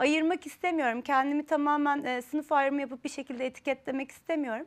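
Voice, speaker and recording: A woman talks against a quiet background. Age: 30s. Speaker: architect; interview guest. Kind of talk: TV interview. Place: studio. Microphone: lapel.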